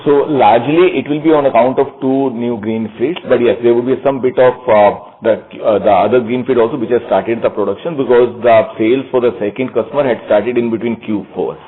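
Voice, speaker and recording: A man's voice: mid-range voice, brisk, hardly any pauses. A man giving explanatory answers as a company executive on an earnings call. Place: telephone conference call. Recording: narrowband phone line, faint noise.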